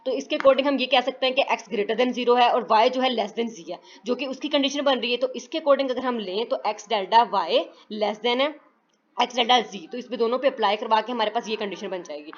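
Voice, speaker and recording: A woman's voice: on the high side, highs cut off. Woman tutor talking through math proofs. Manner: halting, many fillers and self-corrections, mixes English math terms. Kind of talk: recorded lecture explaining proofs.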